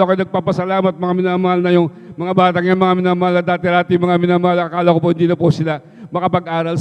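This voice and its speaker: A man with a Filipino accent and a high, smooth voice gives his testimony during a church service, saying "mga minamahal" after almost every phrase. He's a church member speaking in a church hall, and the live stream audio sounds dull with heavy reverberation.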